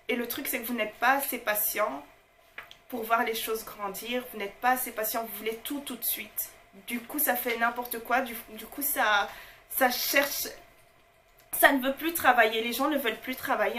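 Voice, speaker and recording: With a pushed, bright voice of fairly high pitch, a woman delivers casual motivational talk online, emphatic and informal, returning again and again to her main phrases. French is not her first language, and slight background noise can be heard.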